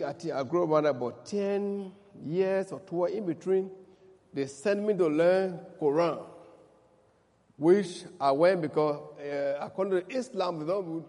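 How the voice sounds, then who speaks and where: A man from Liberia with a Liberian accent, a pastor praying and giving his testimony, speaking slowly and deliberately. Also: fairly high pitch, mellow. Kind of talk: prayer and testimony sermon. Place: church service. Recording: echoey church hall.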